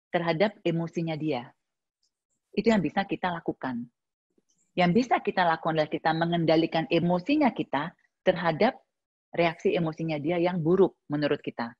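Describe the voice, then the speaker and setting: A woman's voice: low-pitched, highs cut off. A woman giving a casual, reflective talk, answering a listener's question with plenty of everyday examples. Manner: conversational, uses many examples and fillers.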